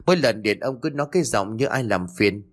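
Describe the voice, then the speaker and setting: A man voicing a sharp-tongued rural wife and mother who answers back with quick, scolding retorts in a raised, fast voice. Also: on the low side, lively intonation. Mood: annoyed.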